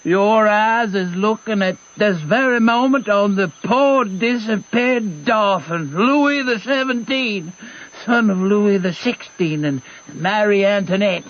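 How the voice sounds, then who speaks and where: Slow, high-voiced old American swindler. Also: male voice. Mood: grand self-pity. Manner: folksy, self-important, drawn-out delivery. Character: old rascally swindler posing as exiled French king. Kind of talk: radio drama acting. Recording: dull lo-fi radio recording.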